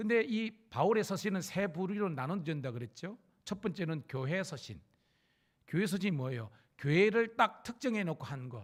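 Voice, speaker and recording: High male voice at a moderate pace, pitch swinging very widely. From South Korea, Gyeongsang region. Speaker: pastor. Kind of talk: sermon. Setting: church.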